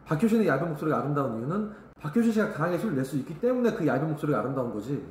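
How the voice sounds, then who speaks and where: Blunt male vocal coach lecturing at a rapid clip in an echoey studio, voice a touch high. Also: big pitch swings, darkish tone, a little hiss or hum. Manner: blunt, emphatic, sings short demo phrases. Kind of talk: vocal lesson talk to camera.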